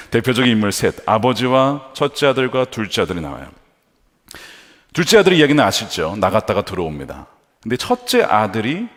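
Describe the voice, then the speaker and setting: A man preaches a sermon from the pulpit of a church, his voice swinging widely between soft low lines and loud high ones. He asks the congregation questions and acts out pleading prayers. The sound carries a long reverb from the church hall. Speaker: pastor. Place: church sanctuary.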